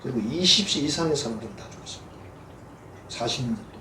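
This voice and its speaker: Animated and quick, this man's medium-pitched voice sounds pushed and bright as he preaches with a Gyeongsang Korean accent. The sermon is folksy and humorous, full of acted-out quotes, recorded from afar in an echoey church hall with slight background noise.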